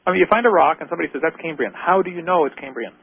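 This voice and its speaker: A man hosting a call-in radio show talks quickly, lecturing and peppering the caller with rhetorical questions. His voice is gravelly and husky, a little high for a man. The sound is tinny, like a radio broadcast carried over a phone line.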